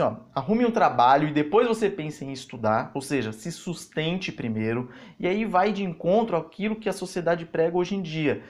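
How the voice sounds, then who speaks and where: Opinionated Brazilian man, casual commentary. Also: medium pitch. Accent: Brazilian Portuguese. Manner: opinionated, emphatic, conversational. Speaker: channel host answering comments.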